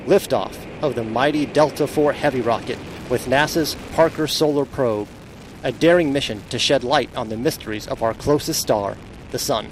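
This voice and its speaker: Brief: male launch commentator, dramatic announcing delivery, noisy broadcast with heavy rumble behind. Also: normal speed. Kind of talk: live rocket launch commentary. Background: loud launch rumble.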